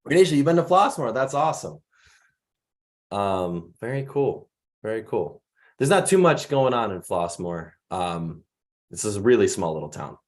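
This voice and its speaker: Young male workshop host from the Chicago area, slightly raspy voice, relaxed chatty manner, on a video call. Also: fairly low pitch, normal speed. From Chicago area, United States. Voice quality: raspy from allergies. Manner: chatty, reads out attendees' names and places. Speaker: program founder hosting a mentor workshop. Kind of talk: casual online workshop hosting.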